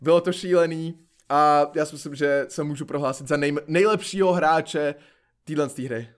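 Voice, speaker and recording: A man's voice: fairly high pitch, clean tone. A young man hosting a multiplayer gaming video, frantic and pleading, often laughing. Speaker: gaming channel host. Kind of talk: excited multiplayer gaming chat.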